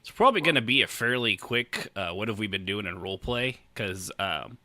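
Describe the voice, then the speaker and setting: Man, podcast host, very bright forceful voice, lively pitch, dry close mic, teasing casual chat. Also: brisk, no echo. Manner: rambling, joking, teasing. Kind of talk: casual chat, hosting a live roleplay podcast.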